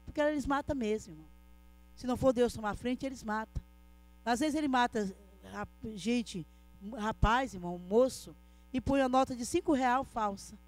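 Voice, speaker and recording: A woman's voice: a little high, moderate pace. A middle-aged woman telling her story in an emotional church testimony, earnestly addressing her listeners as brothers. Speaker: church speaker giving a testimony.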